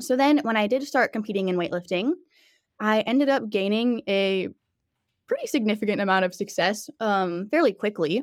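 A woman with a normal speaking voice and an American accent talks at a moderate pace in a fairly high pitch, her intonation lively. The sound is dry and close with no echo, in a very clean recording with a silent background. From US Midwest, Chicago area. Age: young. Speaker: athlete. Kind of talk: testimony.

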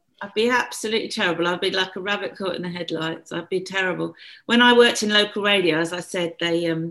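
A woman's fairly low voice with ordinary pitch variation, a very fast pace, and noticeable background noise. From eastern England (Suffolk/Essex). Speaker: business owner, former local radio worker. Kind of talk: interview. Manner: conversational, hesitant.

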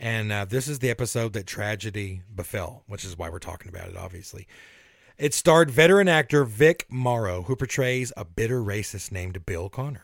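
A normal speaking voice with lively intonation on a very clean recording with a silent background. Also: man, fairly low pitch for a man. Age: 40s. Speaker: podcast co-host and researcher. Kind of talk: reading research notes aloud; casual chat.

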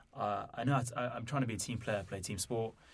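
A man's somewhat breathy voice moves at a fairly quick pace, its intonation fairly even. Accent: London. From London. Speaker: tech product lead. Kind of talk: interview conversation. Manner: halting.

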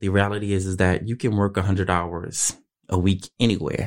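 A man's unremarkable speaking voice with an American accent, fairly low in pitch, at a moderate pace, on a very clean recording with a silent background. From Tulsa, Oklahoma. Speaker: nonprofit founder. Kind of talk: interview.

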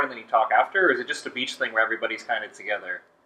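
A man at a very fast pace. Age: 20s. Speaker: podcast host. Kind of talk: casual chat.

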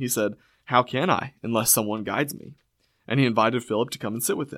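On a very clean recording with a silent background, a man with an ordinary speaking voice talks at a medium pitch with ordinary pitch variation. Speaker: podcast host. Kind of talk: casual Bible discussion podcast. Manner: conversational, filler words.

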